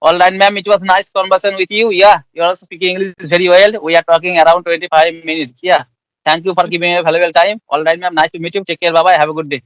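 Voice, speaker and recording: Polite male host, fairly high voice, dry recording. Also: flat delivery, fast, fairly bright tone, no room sound, rough recording. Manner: polite, frequent agreeing "yes, yes". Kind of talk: casual conversation practice.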